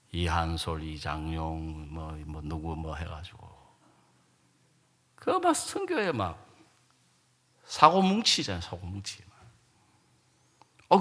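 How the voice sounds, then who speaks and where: A middle-aged pastor with a low, bright, forceful voice preaches a sermon in what sounds like a large church or camp hall. He tells stories with animation and acts out quarrels, and the recording carries the hall's reverb.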